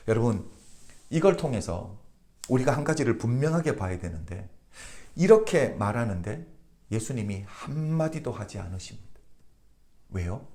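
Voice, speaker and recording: A male pastor from Korea delivers a daily devotional sermon in a voice of middling pitch that rises and falls with real liveliness. He keeps putting questions to the congregation and then answering them himself. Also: darkish tone.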